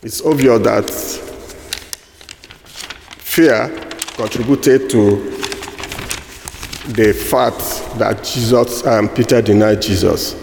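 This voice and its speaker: A man with a Nigerian accent preaching a sermon, slow and halting with fillers and restarts. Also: fairly low pitch, fairly even intonation, creaky, a little mellow, slight background noise. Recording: echoey hall with long reverb.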